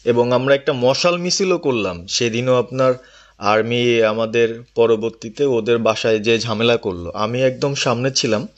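A man with a Bangladeshi accent reporting to his superior on a phone call in a deferential, hesitant way. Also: mid-range voice. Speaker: student party organizer. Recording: dull, lo-fi phone call recording.

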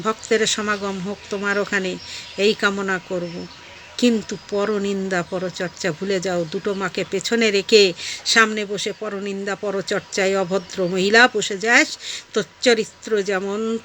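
A woman vlogger scolds someone in a long monologue to camera. Her voice is bright and cutting, and her tone is preachy. A faint noise sits in the background. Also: medium pitch. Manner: sharp, preachy rebuke that mixes in devotional chants. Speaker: online vlogger.

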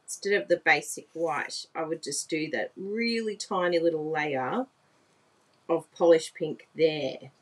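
A woman's voice: low voice, measured pace, slightly rough. A woman, chatting through a live craft demonstration, exclaiming and laughing often and asking viewers if they agree. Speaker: papercraft demonstrator. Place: indoor craft room at a desk.

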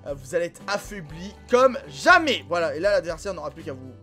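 A man hosting a gaming channel, commenting casually and excitably on gameplay, filling his talk with voilà and hein. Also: fairly high pitch, a little fast. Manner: excitable, filler-heavy, frequent voilà and hein. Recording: game music clearly behind voice. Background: background music and in-game explosions.

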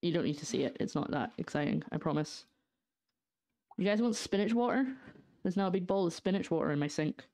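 A woman's voice: fairly low pitch, expressive, a little fast, dark tone. A young woman from northeast Scotland with a light Scottish accent and a slight lisp from a brace, chatting jokily to her stream while cooking in her home kitchen. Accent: light Scottish, partly English-sounding. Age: young adult. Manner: chatty, jokey, sarcastic asides to chat. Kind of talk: casual live-stream chat while cooking.

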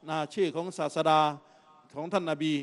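Middle-aged male political speaker, high-pitched, forceful lecturing delivery. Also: fairly even intonation, moderate pace. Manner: emphatic, lecturing with frequent particles. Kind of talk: impassioned political talk.

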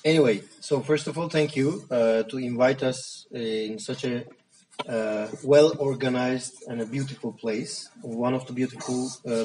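A man's voice: mid-range voice, a little mellow. A man from Turkey, a native Armenian speaker and journalist, giving a talk at a public meeting in hesitant English full of fillers and restarts. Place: meeting hall. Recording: speaker heard from far off.

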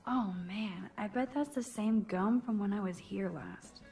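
A woman's voice: medium pitch, a little slow, dark tone, faint music behind, natural voice. A young woman voicing an observant teenage student in a video game, with dry, wry musings.

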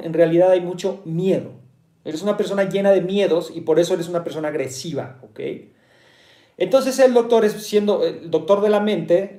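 A man's voice: high voice, dark tone, echoey room. Mexican man teaching with rhetorical questions. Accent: Mexican Spanish. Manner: repeats and rephrases key points. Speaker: meditation teacher. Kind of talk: explanatory talk to listeners.

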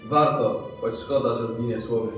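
A young man plays a cocky, wisecracking Death in a school nativity play, speaking in rhyme. The voice is heard from far off in a very echoey hall with music behind. His pitch sits in the middle. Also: steady tone, moderate pace, fairly bright tone, muffled recording, close to an everyday voice. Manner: rhyming verse, brash and joking. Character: Death, grim reaper come for souls. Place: school stage.

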